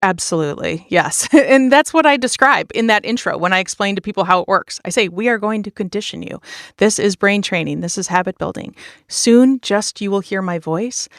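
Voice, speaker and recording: Clear, smooth-voiced woman in an interview. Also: medium pitch, brisk, no room sound, studio quality. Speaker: podcast creator being interviewed, meditation teacher. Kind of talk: conversational interview answers.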